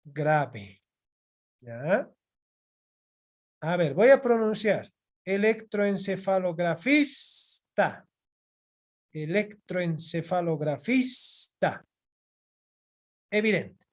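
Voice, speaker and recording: A patient teacher lecturing an online class over a video call microphone. The voice sits at a middle pitch. Key points come back again and again, with a quick check-in after each. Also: big pitch swings. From Bolivia.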